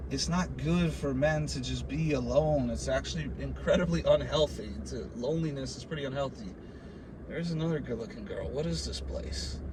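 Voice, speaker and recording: Noticeable background noise and audible room echo surround a man speaking at a moderate pace. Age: 20s. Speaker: vlogger. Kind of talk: casual vlog monologue. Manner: rambling, distracted.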